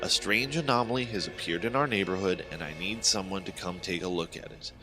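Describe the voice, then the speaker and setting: A man's voice: sits low, fairly quick, over music, lightly acted. A man voicing an exasperated, anxious young man in a horror story, earnest and insistent. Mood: strained patience.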